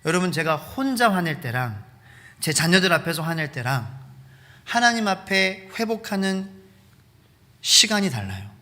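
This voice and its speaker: A man pastor preaching a sermon, animated, acting out quotes and asking the congregation questions, in a reverberant church hall. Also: sits high, normal speed, long pauses. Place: church sanctuary.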